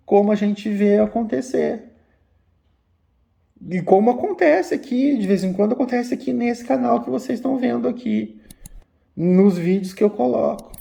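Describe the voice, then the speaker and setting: A man, an umbanda teacher giving a slow, repetitive religious talk to his viewers. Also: sits high, vocal fry, mellow. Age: 50s. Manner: slow, repetitive, addressing listeners as "gente". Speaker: umbanda spiritual teacher and channel host.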